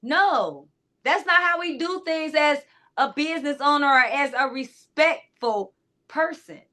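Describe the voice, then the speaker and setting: Woman, clarity coach, high-pitched, bright, loud and emphatic, casual motivational talk. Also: animated, a little slow. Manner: loud, emphatic, talks straight to listeners; casual with frequent asides.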